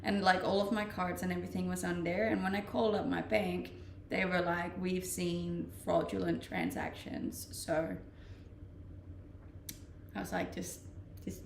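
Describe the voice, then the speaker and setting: Flat and a little slow, this lowish, gravelly voice comes from a Danish woman in her twenties casually chatting with stream viewers as she reads comments. She laughs frequently and restarts her sentences. The recording is distant and off-mic, with room echo and faint noise.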